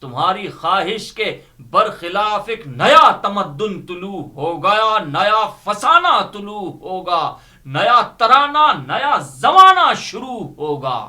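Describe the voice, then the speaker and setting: Delivering a dramatic recitation of Urdu poetry, this reader has a high, very animated, bright voice with a forceful tone. He declaims passionately, hammering home repeated phrases.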